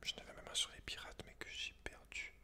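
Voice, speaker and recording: Whispering Frenchman, soft ASMR delivery. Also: fairly quick. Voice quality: breathy, unvoiced whisper. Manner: intimate, informal, addressing the listener directly. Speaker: ASMR video host. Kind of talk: whispered ASMR, reading a book aloud with casual asides.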